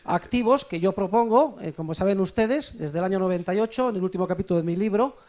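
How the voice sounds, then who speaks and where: A man with a high-pitched voice gives an explanation at a conference. He is emphatic and didactic, like an economist making his case. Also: quick pace, a little mellow. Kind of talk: explanatory speech at a conference debate.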